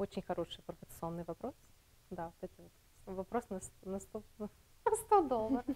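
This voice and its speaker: A woman speaks in a dark, mellow tone. Her speech has long, frequent pauses. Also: ordinary pitch variation, moderate pace. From Russian Far East, Khabarovsk; Russian Far East. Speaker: psychologist. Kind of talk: casual interview. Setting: at home. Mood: amused, relaxed. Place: home room.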